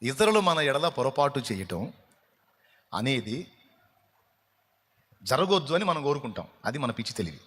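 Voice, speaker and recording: A man preaching a fasting prayer sermon as pastor, scolding and dramatic, firing rhetorical questions with sudden loud peaks. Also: mid-range voice, sing-song, slightly rough. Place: church hall. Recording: long hall reverb.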